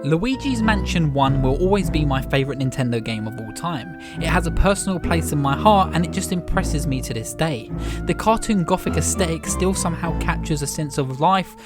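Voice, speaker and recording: Slightly hoarse man narrating a video essay. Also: a little high, animated, fairly quick. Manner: earnest, enthusiastic reflective delivery. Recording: music playing under the voice.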